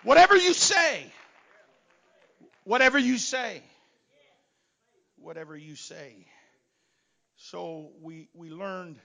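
Man, preacher, sermon, very high voice, bright and forceful, quiet asides, shouted exhortations. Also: slow pace, creaky, long pauses. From not from Texas.

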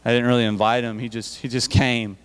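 Give me a man preaching to teenagers in a relaxed, repetitive way, smooth voice, reverberant hall. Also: mid-range voice, a little fast. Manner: conversational, repeats words and restarts. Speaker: youth speaker. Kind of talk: youth service sermon. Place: church hall.

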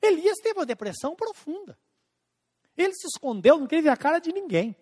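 High-voiced preacher in a reverberant hall. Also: male voice, very animated, darkish tone. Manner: preaching with emphatic rising and falling delivery, slowing on scripture quotes. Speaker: pastor. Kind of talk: sermon.

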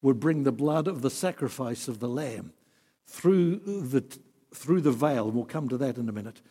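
A man preaching a sermon, earnest, swinging from emphatic peaks to soft, quiet passages. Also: medium pitch, animated, moderate pace, husky. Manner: earnest, rising to emphatic then dropping soft. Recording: long hall reverb.

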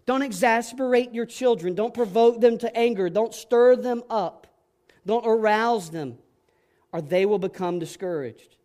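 A middle-aged male pastor preaching a sermon in an earnest way, swinging between hushed, gentle passages and emphatic ones. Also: sits high, measured pace.

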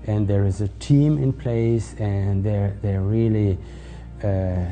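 Halting low-voiced man from Kazakhstan. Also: fairly even intonation, warm tone. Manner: halting, searching for words. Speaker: missionary church leader. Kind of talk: testimony in a ministry video. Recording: music bed under the voice.

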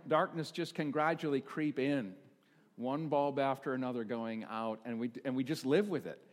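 An older man preaching as a pastor, relaxed and joking about himself with his congregation. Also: fairly high pitch. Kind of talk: sermon. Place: church sanctuary. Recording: long hall reverb in a church.

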